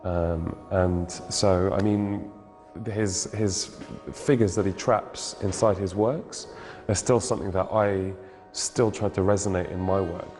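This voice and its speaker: A man's voice: low-pitched, steady tone, unhurried, a little mellow. A man in his thirties, a painter, talking thoughtfully about his work and often searching for words. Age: 30s. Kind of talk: reflective interview monologue. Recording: reverberant room with music underneath.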